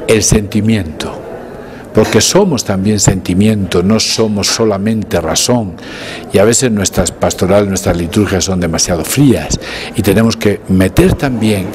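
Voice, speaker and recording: A man's voice: lowish voice, darkish tone, a little hiss or hum. A man in his fifties, a priest, giving an earnest, emphatic spoken summary of a talk into a handheld recorder, sometimes restarting his phrases. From Bolivia. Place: indoors, before a painted mural. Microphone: handheld recorder held close.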